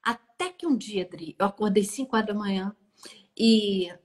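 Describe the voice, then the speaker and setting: A middle-aged woman telling an emotional testimony on a live stream, animated and acting out the voices in her story. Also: mid-range voice, normal speed. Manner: animated, acts out dialogue and sounds. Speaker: guest sharing a testimony. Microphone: phone on an online live stream.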